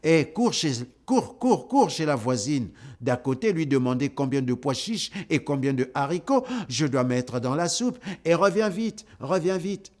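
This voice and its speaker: A village mother in a told folktale, hurried and insistent as she sends her son off, voiced by a man storyteller. She repeats her orders briskly. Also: on the high side, lively intonation, darkish tone. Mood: urgent.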